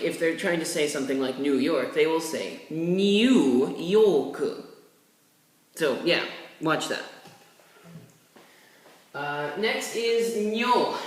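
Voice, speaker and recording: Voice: mid-range voice, distant mic. Laid-back tutor in a very echoey room. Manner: laid-back and rambling, with offhand asides. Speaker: language tutor. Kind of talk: casual tutorial while writing characters. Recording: very echoey room, voice set back from the mic, faint hiss.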